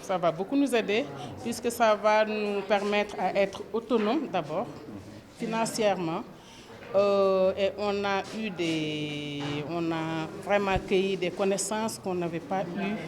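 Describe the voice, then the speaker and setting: A woman who took part in a training, answering interview questions with hesitant pauses. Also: medium pitch, a crowd in the background. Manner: hesitant, with fillers. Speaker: training participant.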